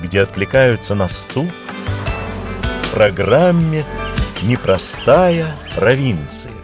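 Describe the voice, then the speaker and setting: A man reading a scripted program intro in a slow, measured way. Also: mid-range voice, very animated. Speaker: program announcer. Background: music.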